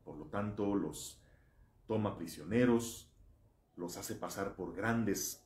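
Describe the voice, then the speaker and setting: A man in his thirties with a Mexican accent, a priest giving a motivational religious talk with animated, emphatic storytelling and rhetorical questions. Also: on the low side, slow pace. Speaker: Catholic priest. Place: small indoor room. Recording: echoey room.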